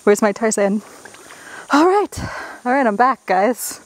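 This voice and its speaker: A young woman travel vlogger jokes about herself as she chats playfully on a rainforest trip. Her voice is a little high and animated, her pace a little slow, and the recording is dry, though it's a noisy outdoor jungle one with insects and jungle ambience.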